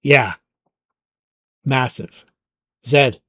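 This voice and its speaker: A man narrating a tabletop game as its game master, easygoing and halting, with many fillers. His voice sits in a middle range and is recorded close and dry, with no room sound. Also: medium pitch, bright, forceful tone, dry recording.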